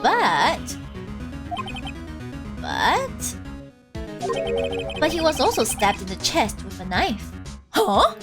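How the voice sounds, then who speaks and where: A woman's voice: on the high side, wildly swooping pitch, very slow, pauses often, music in the background, voice pushed down, full character voice. A woman voicing an earnest, hesitant young male defense attorney in a video game, questioning and easily flustered. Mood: puzzled.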